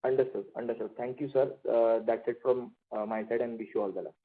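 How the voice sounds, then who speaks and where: A man's voice: medium pitch, fairly even intonation, fast. A man, polite and hesitant, asking questions as an analyst on an earnings call. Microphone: phone. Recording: narrowband phone line.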